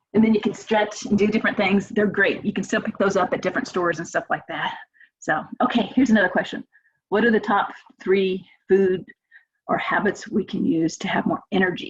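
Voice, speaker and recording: A somewhat breathy woman's voice at medium pitch, with ordinary pitch variation and a fairly quick pace. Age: 50s. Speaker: wellness coach. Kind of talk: webinar talk. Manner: fast; animated.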